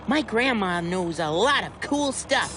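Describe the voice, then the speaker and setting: A woman voicing a curious, cheerful young boy scientist in a children's cartoon, excitable and sing-song. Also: mid-range voice, a little slow, lightly acted. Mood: excited. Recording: studio voice with music bed.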